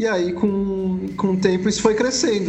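A man with a São Paulo accent, with noticeable background noise. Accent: paulistano Brazilian Portuguese. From São Paulo, Brazil. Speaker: journalist and editor. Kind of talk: casual interview chat.

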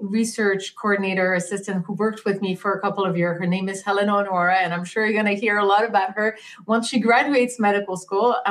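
This woman speaks at a medium pitch over noticeable background noise. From France. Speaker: neurologist. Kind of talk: interview.

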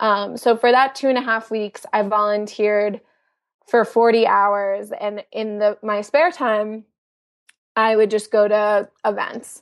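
A woman speaks in an ordinary speaking voice with an American accent, her pitch fairly high. Her intonation stays fairly even over a quiet background. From US Northeast, Boston. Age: 20s. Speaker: guest, recent graduate. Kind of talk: interview.

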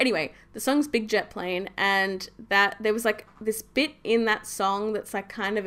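In a very clean recording with a silent background, a woman speaks fairly slowly in a fairly high voice with ordinary pitch variation. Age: 20s. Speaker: podcast host. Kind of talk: casual monologue. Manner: hesitant, many fillers.

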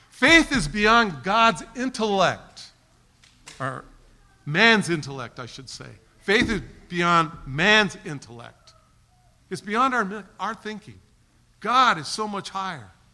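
A man's high-pitched, raised, projected voice with a bright, sharp tone, very wide pitch swings, big swings in loudness, a very slow pace and long, frequent pauses. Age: 60s. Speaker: missionary. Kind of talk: sermon. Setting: church.

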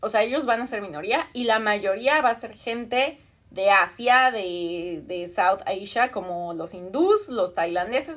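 At a fairly slow pace, a woman with a medium pitch speaks in an animated tone with lively intonation. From Mexico. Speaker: podcast host and study-abroad advisor. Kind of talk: live-stream casual chat with viewers.

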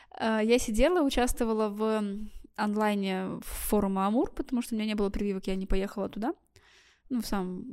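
The recording is very clean, with a silent background. A woman speaks in a plain, everyday voice at a fairly high pitch. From Amur Oblast, Russia. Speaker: festival participant, library employee. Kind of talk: casual interview chat.

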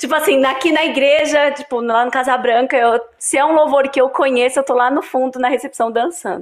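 Talking fairly quickly, a woman uses a high voice. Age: 30s. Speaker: pastor. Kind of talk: casual chat.

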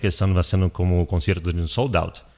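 With a Brazilian accent, a man speaks at a moderate pace in a very deep, low pitch. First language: Portuguese (speaking Spanish). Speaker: music distribution executive. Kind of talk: interview. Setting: studio. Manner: halting.

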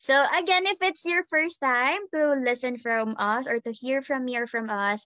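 With a Filipino accent, a woman speaks in a high pitch with a bright, sharp tone and lively intonation, in a dry, close sound with no echo and a quiet background. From Philippines. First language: Tagalog. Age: young. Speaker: podcast host. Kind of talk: casual interview, Taglish. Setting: live stream.

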